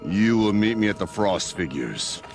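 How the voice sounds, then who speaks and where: An actor playing a proud, stern tribal chieftain in a video game, imperious and contemptuous. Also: male voice, on the low side, animated, moderate pace, over music. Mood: bitter, angry. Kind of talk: video game dramatic dialogue.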